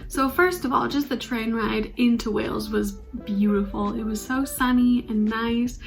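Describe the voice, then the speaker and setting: A woman's voice: on the high side, steady tone, normal speed, vocal fry, faint music behind, rough recording. Chatty young Canadian woman vlogger. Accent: Canadian English. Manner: chatty, upbeat, laughs easily. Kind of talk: casual travel vlog chat.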